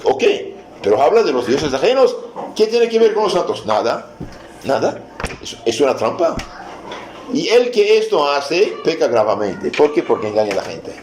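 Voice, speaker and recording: A man, a priest, giving a catechism lesson, asking rhetorical questions, answering them emphatically and reading scripture slowly and deliberately. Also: a little high, very animated, darkish tone. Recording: echoey room with faint noise.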